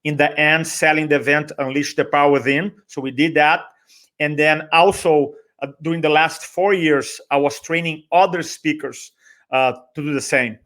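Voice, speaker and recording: A man's voice: fairly high pitch, fairly even intonation, moderate pace, fairly bright tone. A middle-aged man from Brazil with a Brazilian accent, talking conversationally and motivationally as a guest, with emphatic repetition and rhetorical questions. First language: Portuguese. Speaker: guest, speaker trainer and business owner.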